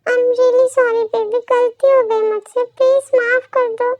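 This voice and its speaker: A woman's voice: extremely high pitch, flat delivery, slow, a little mellow, dry recording, faint music behind, pitched above the performer's own voice. A woman voicing a playful young husband who teases his partner and then begs her forgiveness, in a pleading, coaxing manner. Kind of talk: storybook role reading.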